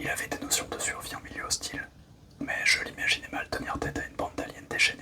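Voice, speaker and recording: Against noticeable background noise, a man whispers at a moderate pace. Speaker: ASMR book-reading channel host. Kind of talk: first-person fiction reading, sci-fi novel excerpt. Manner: whispered, soft.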